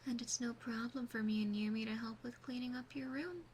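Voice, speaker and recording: A woman voicing an obsessive, doting demon sister in an ASMR roleplay, speaking softly and close with breathy whispering. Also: a little high, steady tone, fairly quick, slight background noise, lightly acted. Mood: gently reassuring. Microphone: close binaural microphone.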